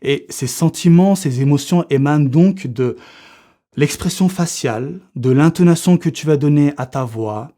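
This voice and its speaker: Guy doing a jokey dating-advice rant, slangy, calls u buddy, mellow darkish voice. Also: on the high side, moderate pace. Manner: slangy, addresses viewer as buddy; unscripted one-take delivery, checks notes live. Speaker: comedic seduction-advice youtuber. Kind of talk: mock-serious coaching monologue.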